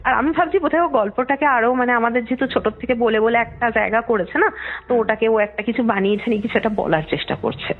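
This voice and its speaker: A woman's voice: a little high, fast talker, breathy edge. A young woman caller telling a story in a chatty, rambling way, often trailing off mid-sentence. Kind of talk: casual storytelling on a call. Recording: tinny phone line with faint music.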